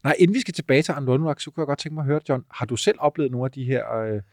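A man's voice: mid-range voice, no echo, studio quality. A man hosting an interview, steering the talk with brief prompts and questions. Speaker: host.

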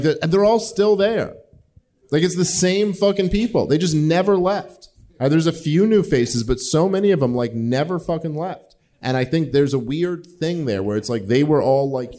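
This is casual live Q&A talk from a podcast host in his 40s with a mid-range, darkish voice. He rambles through audience questions, swearing and using lots of filler words.

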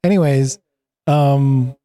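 Guy with a mellow mid voice, chatty and hesitant, lots of uh. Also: medium pitch, steady tone, slow. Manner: chatty, hesitant, many fillers. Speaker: podcast panelist. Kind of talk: casual tech news chat.

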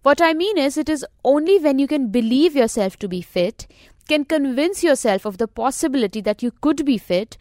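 A woman's voice: sits high, animated, darkish tone, no room sound, clean studio sound. Wry middle-aged woman narrating her own story. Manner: measured, wry, reflective storytelling. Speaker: podcast narrator. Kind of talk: scripted personal narration.

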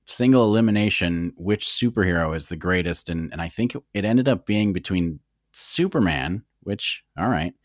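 A man's voice: sits low, normal speed, dry recording, clean studio sound. A man co-hosting a podcast, chatting casually, joking and going off on tangents. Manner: animated, joking, goes off on tangents. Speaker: podcast co-host. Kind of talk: casual chat.

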